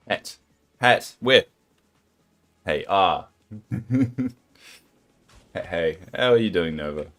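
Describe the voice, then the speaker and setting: A man with a New Zealand accent and a very deep, soothing voice chats with his stream viewers while he plays. His pitch moves about a lot, and his rambling talk is sympathetic and self-deprecating. Faint game music plays behind him. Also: expressive, very slow, pauses often, fairly bright tone. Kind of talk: casual chat with viewers while gaming.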